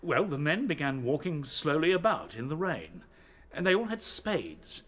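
Shaken rabbit captain, halting. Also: male voice, on the high side, very animated, fairly bright tone. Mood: grave. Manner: halting, searching for words. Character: battle-worn male rabbit captain, shaken, recounting horrors. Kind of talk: radio drama dialogue.

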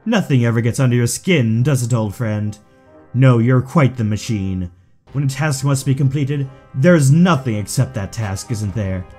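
A man's voice: medium pitch, lively intonation, moderate pace, dark tone, soft background music, natural voice. A man playing a suave, theatrical villain in an audio drama, taunting his rival with mock affection. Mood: smug, menacing. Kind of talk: fan audio drama acting.

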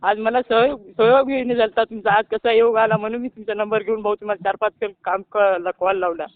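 Over a tinny phone line, a caller from Maharashtra pleads for help, rambling and going over the same points again and again. His voice sits high with a steady tone and a fairly quick pace, and the recording is dry.

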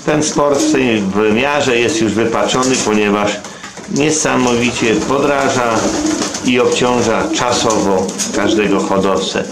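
A man's voice: medium pitch, a little slow. A middle-aged man from Poland, a pigeon breeder, explains his birds plainly in a loft and talks coaxingly to them. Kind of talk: casual video talk in a pigeon loft. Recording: echoey loft with loud pigeon cooing.

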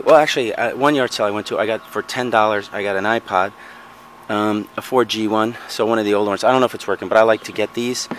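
Outdoors on a backyard patio, a vlogger shows off his resale finds on a handheld camera, rambling casually with lots of ums and self-corrections. His voice is on the low side and a bit bright, with slight background noise.

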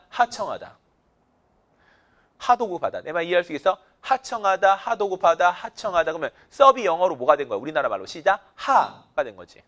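Male teacher, lively up-and-down voice, fairly high, call-and-response drilling, energetic lecture. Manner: drills students with countdowns and repeated cues, jokes in slang. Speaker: English teacher.

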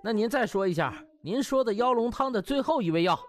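A man voicing a smug young male trainee doctor in an audiobook, teasing and mock-polite with drawn-out interjections. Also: sits high, animated, pitched above the performer's own voice. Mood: feigned politeness. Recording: music bed behind.

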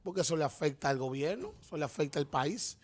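A Dominican man in his thirties talks on a studio panel show in an animated, emphatic way, firing off rhetorical questions. His voice sits a little high, and he speaks into a desk microphone. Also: fast. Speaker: radio show co-host. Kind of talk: casual panel commentary. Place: TV-radio studio. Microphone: studio microphone on desk stand.

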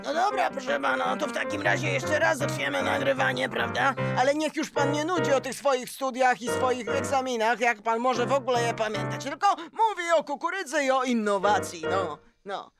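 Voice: sits high, moderate pace, creaky, few pauses. An actor playing a bossy, impatient television director in an improvised children's radio play. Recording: music under the voice.

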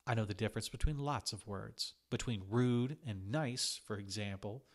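A man's voice: on the low side, moderate pace. A man voicing a feisty young woman cook in a story, pert and defiant. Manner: pert, sassy.

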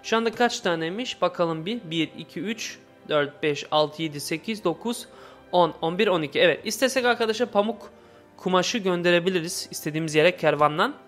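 Higher-voiced man, game commentary in halting Turkish. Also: a bit bright, faint music behind. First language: not Turkish, speaks imperfect Turkish. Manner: imperfect, halting Turkish with muddled word forms. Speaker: gaming video host. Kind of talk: casual let's play commentary.

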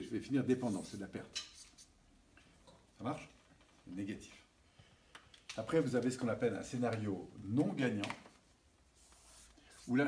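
A man giving a seminar lecture, animated and checking in with his audience often. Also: mid-range voice. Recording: distant mic with faint hiss.

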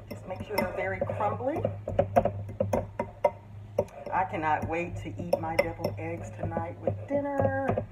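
A woman's voice: fairly low pitch, heavy background noise. A woman hosting a casual cook-along in her home kitchen, chatting to viewers as she mixes. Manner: chatty, addresses viewers as guys. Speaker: cooking channel host. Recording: distant voice with loud clattering dishes.

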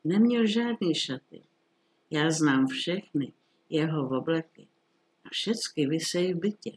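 A man's voice: a little high, expressive, breathy edge. A man voicing a blunt older woman caretaker. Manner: colloquial, matter-of-fact.

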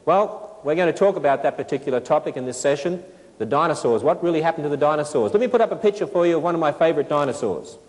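A man in his thirties with an Australian accent, giving a playful, animated lecture to a live audience and quizzing them with questions. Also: on the high side, fast, in a large hall. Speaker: speaker addressing a children's audience. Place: large auditorium stage with potted plants.

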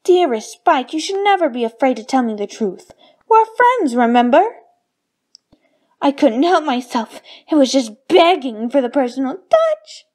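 Cartoon pony fashionista: high, very animated female voice, refined and vain, theatrically melodramatic. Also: measured pace. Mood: prim, gracious. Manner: theatrical, refined, affected ladylike diction. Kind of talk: fan voice reel of cartoon lines.

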